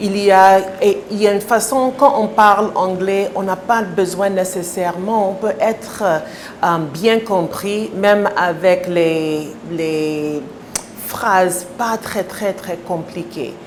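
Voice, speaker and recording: Over noticeable background noise and audible room echo, a woman with an English accent speaks at a medium pitch and a very slow pace. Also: ordinary pitch variation. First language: English (speaking French). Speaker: ambassador. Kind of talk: answering audience questions at a public event. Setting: event with live audience. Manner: halting.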